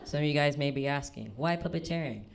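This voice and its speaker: A young trans man telling self-deprecating stand-up stories on a comedy club stage, halting often with ums and uhs. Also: gravelly, crowd noise. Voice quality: fairly low, manly voice. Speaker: stand-up storyteller. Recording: live club recording with audience noise. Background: audience laughter.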